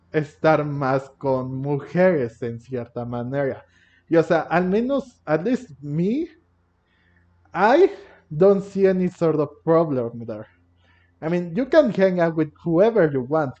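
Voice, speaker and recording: A man with a Hispanic Spanish accent gives casual game commentary, speaking in a halting way and often rephrasing himself. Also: a little high, darkish tone. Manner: halting, repeats and rephrases himself, switches languages. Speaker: gameplay commentator. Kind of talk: casual game commentary explaining story dialogue. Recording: dull lo-fi mic over game music. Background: game music.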